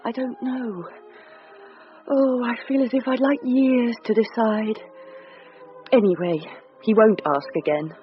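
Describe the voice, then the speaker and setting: An actress playing a reserved young Victorian woman in a radio drama who speaks hesitantly, with a breathy tone. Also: on the high side, soft background music, lightly acted. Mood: unsure. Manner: hesitant and halting, quietly firm. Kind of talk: period radio drama acting. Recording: dull, muffled broadcast audio.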